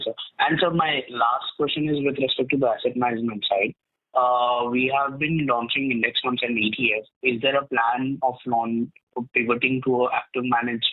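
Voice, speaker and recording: Halting man on a tinny phone line. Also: medium pitch. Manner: halting, deferential. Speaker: caller putting questions to management. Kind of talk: conference call question-asking. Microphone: phone call.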